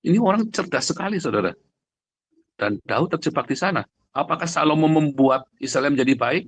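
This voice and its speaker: A man's voice: fairly high pitch, animated, brisk, no room sound. A man preaching in a conversational, blunt and emphatic way, addressing listeners directly and asking rhetorical questions. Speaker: preacher, pastor. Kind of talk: conversational livestream sermon.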